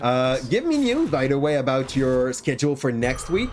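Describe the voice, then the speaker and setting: This man talks at a medium pitch with a Quebec accent. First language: French. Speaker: gaming streamer and schoolteacher. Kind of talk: live gameplay stream chat. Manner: halting with fillers.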